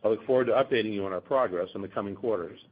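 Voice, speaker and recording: A man with a fairly low, husky voice reads out prepared financial remarks on an earnings call. His delivery is formal and measured, and the audio is slightly dull, as from a conference line. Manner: formal, measured reading of figures. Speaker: company finance executive. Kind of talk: scripted earnings call presentation.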